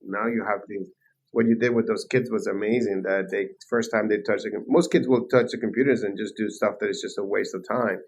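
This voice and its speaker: A man hosting a podcast interview, speaking in a quick, emphatic, enthusiastic way. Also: lowish voice, fairly even intonation, a little hiss or hum, low-quality recording. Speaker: podcast host. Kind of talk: casual interview chat.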